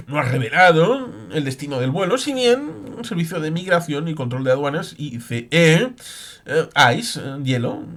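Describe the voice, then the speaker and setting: A man reading news reports aloud with commentary, in a halting delivery with hesitant pauses and asides. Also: a little high.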